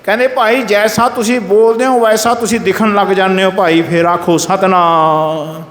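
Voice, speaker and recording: A man with a high voice preaches a Sikh sermon in a village gurdwara hall. He intones scripture lines slowly and keeps calling on the congregation to respond. The hall is echoey, with a long reverb trailing each phrase. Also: fairly even intonation. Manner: exhorts listeners to answer "Satnam" aloud.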